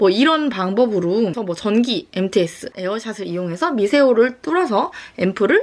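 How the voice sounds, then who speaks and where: A woman speaks in a fairly high voice with an animated tone. Her pitch swings very widely. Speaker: beauty YouTuber. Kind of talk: product review tutorial. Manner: fast.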